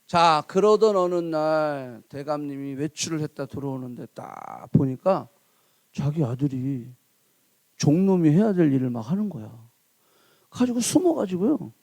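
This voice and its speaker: A man preaching a sermon, telling a folk tale with playful, animated delivery and asking the congregation questions. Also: a little high, a little slow, gravelly, no room sound. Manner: animated, playful, acts out characters. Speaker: pastor. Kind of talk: sermon with lively storytelling.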